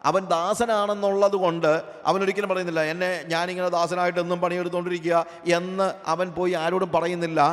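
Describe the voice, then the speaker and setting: A male pastor with a Malayali accent preaching a sermon, asking rhetorical questions and swinging between loud emphasis and hushed lines. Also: high-pitched, long reverb tail.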